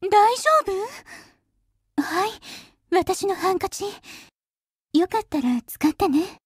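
A friendly teenage girl, played by a woman, sounds gentle and caring with a light tease. Her voice is very high and closely recorded. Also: animated, slow pace, dry recording, studio quality, heavily acted. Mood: kind, amused.

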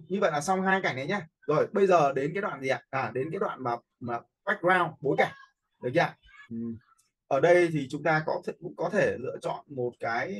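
Man, software instructor, slightly husky voice, casual tutorial talk, frequent check-in questions. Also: fairly high pitch, poor audio. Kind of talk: casual screen-share teaching, addressing learners.

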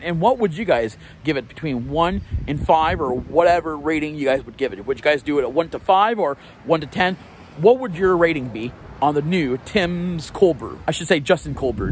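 A vlogger in his thirties holds his phone at arm's length and chats casually to the camera for a daily vlog, rambling and correcting himself with little laughs. His voice is fairly high, and the low-quality recording carries a bit of hiss or hum. He's outdoors by a parking lot and also indoors on an armchair.

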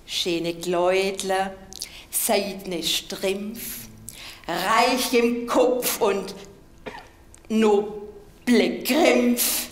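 A woman's voice: medium pitch, fairly even intonation, very slow, long pauses, reverberant. An older woman with a Swabian accent, reciting comic dialect verse theatrically on a stage. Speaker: dialect cabaret performer. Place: stage in a hall.

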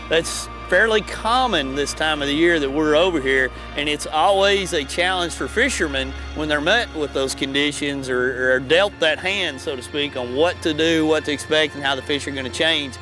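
A middle-aged man hosting a fishing show, giving casual, conversational commentary in a folksy way. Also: on the high side.

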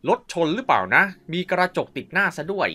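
A man's voice: high-pitched, big pitch swings, fast, sharp tone. A man giving playful, exclamatory gameplay commentary as a video host, with frequent wows and vocal sound effects.

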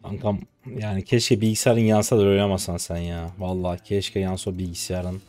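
A man in his twenties commenting live on his own gameplay, exasperated, swinging between low mutters and loud outbursts at his teammates. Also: flat delivery, a little fast. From Turkey. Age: 20s. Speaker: game streamer.

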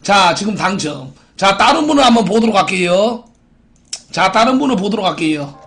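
A man in his twenties, hosting a live stream from a small indoor room at a computer, reads out viewer posts and delivers theatrical, announcer-like verdicts in a brash, crude, mocking way. His voice is high-pitched, very animated and a bit bright, at a moderate pace.

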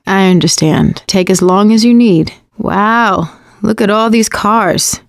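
An actress playing a sassy, wisecracking young woman surviving a zombie apocalypse in a video game, sardonic and expressive. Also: mid-range voice, slow, gravelly, no room sound, clean studio sound. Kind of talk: video game combat barks and quips.

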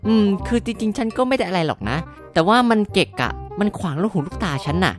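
A woman voicing a calm, commanding young male gang leader in a game cartoon. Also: quick pace, faint music behind, natural voice. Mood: cool. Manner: low, laid-back, commanding.

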